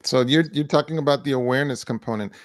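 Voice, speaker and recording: A man co-hosting a mental health talk show, answering a viewer's question in a measured way and repeating key phrases for emphasis. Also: medium pitch, no echo.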